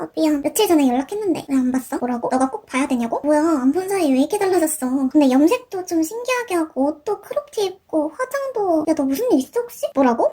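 A woman's voice: high-pitched, darkish tone. A woman doing paper-doll role-play, playing a shop owner who indignantly echoes an unheard friend's words back as questions, and chatting through each step of making the treats.

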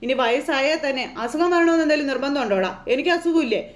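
A woman voicing a sharp-tongued old grandmother who scolds and weeps in turns, in a reproachful, drawn-out manner. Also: high voice, animated. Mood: scornful. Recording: roomy echo.

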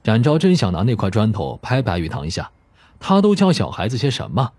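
Low-voiced man narrating, highly expressive. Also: fairly quick, dry recording. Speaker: audiobook narrator. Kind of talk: scripted dramatic novel narration.

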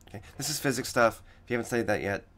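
A man with a slightly raspy voice teaching coding in a screen-recorded tutorial, explaining each step and repeating the key points. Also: mid-range voice, very fast, a bit bright.

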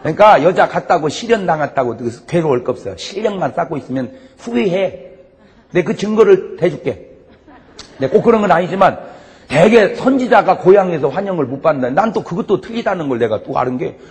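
Male pastor, high and very animated, joking storyteller in a reverberant church hall. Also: a little fast. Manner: animated storytelling with frequent laughs and shouted punchlines. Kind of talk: humorous revival sermon. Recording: long hall reverb, faint background noise.

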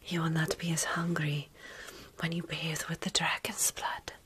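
A woman in her thirties voicing a tender, motherly vampire in a soft, soothing whisper for ASMR roleplay, close to the mic. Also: low voice, flat delivery, a little hiss or hum. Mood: reassuring, solemn. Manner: soothing, slow, reassuring. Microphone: close ASMR microphone.

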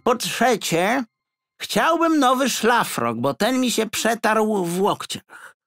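Storybook rat sidekick: squeaky, cocky, excitable, swooping pitch. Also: male voice, takes it slowly, gravelly, no room sound, studio quality, faint music behind, heavily acted. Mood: cheeky. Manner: cheeky, stammering when flustered. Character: boastful, jittery talking male rat sidekick.

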